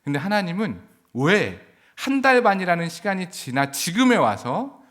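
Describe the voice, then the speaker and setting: A man in his thirties preaching a sermon as pastor, swelling with emotion and dropping to hushed tones. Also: high-pitched, big pitch swings, normal speed.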